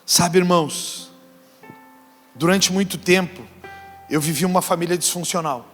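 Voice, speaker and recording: High-pitched preaching man, church reverb. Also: measured pace. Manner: preaching, mimics couples' dialogue, shouts rebukes. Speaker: pastor. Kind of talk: sermon. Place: church hall. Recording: church hall reverb with faint music.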